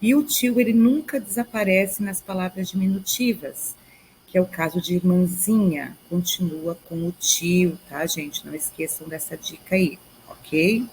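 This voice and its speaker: A teacher with a Brazilian Portuguese accent talks through a recorded grammar lesson, pausing often to check in with her class. Her voice sits somewhat low for a woman. A faint hum of room noise runs under her. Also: darkish tone, rough recording. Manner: explains step by step, often checks in with "tá?" and "ok?".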